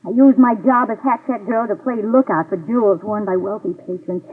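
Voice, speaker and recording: A woman's voice: mid-range voice, slight background noise, natural voice. An actress playing a young female jewel thief who works as a hat check girl, talking hesitantly and pleadingly in a 1950s radio drama. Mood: nervous. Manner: hesitant and pleading, with halting fillers. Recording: tinny old radio broadcast.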